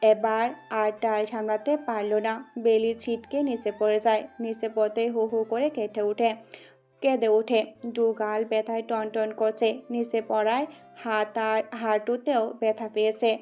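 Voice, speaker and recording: Telling a scripted audio story, this woman keeps a steady, dramatic delivery at a slightly slow pace. She has a somewhat high voice with a mellow, dark quality. Soft background music sits under a muffled, dull-sounding recording.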